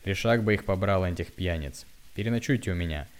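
A man voicing a kindly, sympathetic village neighbor woman, speaking softly. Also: sits low, fairly quick, clean tone, lightly acted. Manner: soft, sympathetic.

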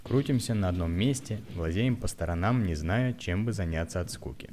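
A man reading a story aloud in a plain, steady way, with occasional stumbles. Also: sits low, moderate pace, slight background noise. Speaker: narrator.

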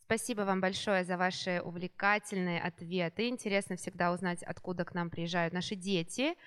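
A woman who is a hospital teacher hosting a podcast, patiently prompting children with gentle follow-up questions. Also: on the low side, steady tone, fairly quick, smooth. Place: children's rehabilitation centre.

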